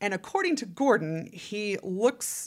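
A woman speaks with an Oklahoma accent. The recording is very clean, with a silent background. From Oklahoma, Stillwater. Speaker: museum historical interpreter. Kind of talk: casual chat.

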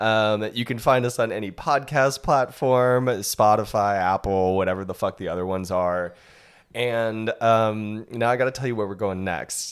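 In a very clean recording with a silent background, a man uses an ordinary speaking voice at a medium pitch, with ordinary pitch variation and a moderate pace. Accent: American. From California. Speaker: podcast co-host. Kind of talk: casual chat.

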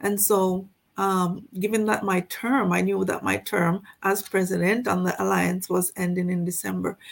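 Speaking in a Jamaican Canadian accent with hardly any pauses, a woman keeps her loudness very even on a very clean recording with a silent background. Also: moderate pace. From Jamaica (Manchester). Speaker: diaspora council representative. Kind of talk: casual interview.

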